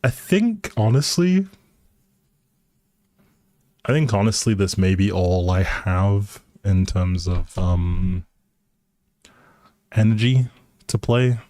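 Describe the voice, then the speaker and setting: A man chats through his game stream at a very unhurried pace, musing and hesitating as he thinks aloud. His voice is low and very mellow, close and dry on the mic. Sentences often trail off into the next thought. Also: expressive, no room sound. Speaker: live streamer playing a life simulation game. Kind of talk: casual chatty gameplay commentary, thinking aloud.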